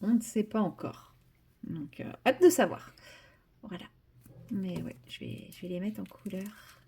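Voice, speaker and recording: A woman's voice: mid-range voice, a little slow, vocal fry, a little mellow, breathy edge. Brief: woman vlogger, casual rambling chat at home, lots of ums and restarts. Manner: chatty, rambling, many fillers and restarts.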